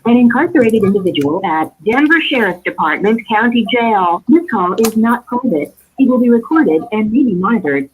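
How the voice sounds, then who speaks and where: A woman's automated collect-call message heard through a phone line. The delivery is formal and recorded, with lively pitch swings. The sound is tinny and breathy. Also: normal speed, few pauses. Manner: formal, evenly paced instructions. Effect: recorded message played over a phone line.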